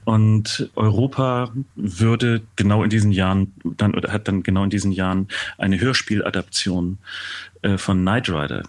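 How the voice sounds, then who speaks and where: Middle-aged man with a lower voice, deliberate. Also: steady tone. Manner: hesitant, deliberate phrasing with frequent pauses. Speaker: interview guest, composer and music producer. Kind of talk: reflective interview answer, recounting past work.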